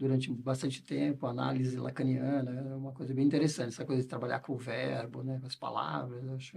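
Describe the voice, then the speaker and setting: A man talks at a fairly quick pace, his somewhat breathy voice running on with hardly any pauses. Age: 60s. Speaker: organizational consultant, psychologist. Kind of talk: podcast interview. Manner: hesitant, many fillers.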